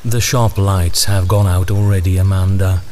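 An actor playing a menacing, eloquent ringmaster in an audio drama, speaking in deliberate, theatrical, archaic phrases. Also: male voice, low voice, flat delivery, dark tone, close to an everyday voice. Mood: predatory, insinuating.

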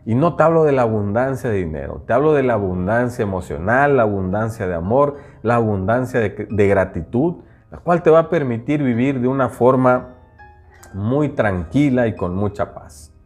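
A man's voice: medium pitch, lively intonation, normal speed, a little mellow. A man from southern Veracruz with a Mexican accent, whose first language is Nahuatl, hosting a motivational spiritual podcast and speaking earnestly to the listener. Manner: earnest, speaks straight to the listener with repeated declarations. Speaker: podcast host, teacher. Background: faint background music.

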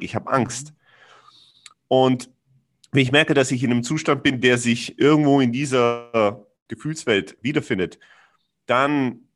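A man's voice: medium pitch, a bit bright. A man talking reflectively about his feelings in a conversation, searching for words with many fillers and restarts, earnest and frank, dropping blunt slang.

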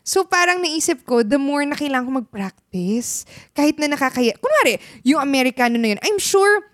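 Lively high-pitched woman, dry close sound. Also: normal speed, dry recording. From Pampanga, Philippines. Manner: animated storytelling, switches between Tagalog and English. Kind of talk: casual chat.

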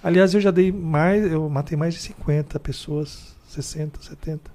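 A high-pitched man tells stories in a casual chat. He slips into other people's voices, jumping sharply up in pitch when he does. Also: normal speed, warm tone. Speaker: guest telling stories.

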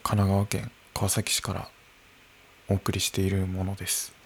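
A man in his early thirties talking alone into a microphone in his room, slow and musing, with soft laughs. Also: low-pitched, completely flat delivery, gravelly, a little hiss or hum. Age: early 30s. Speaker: podcast host. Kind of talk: unscripted solo podcast talk. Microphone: podcast microphone.

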